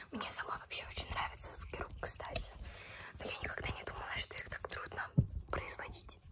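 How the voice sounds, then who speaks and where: A woman whispering at a moderate pace, with long, frequent pauses. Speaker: ASMR creator. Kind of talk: ASMR talk to camera. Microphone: phone near.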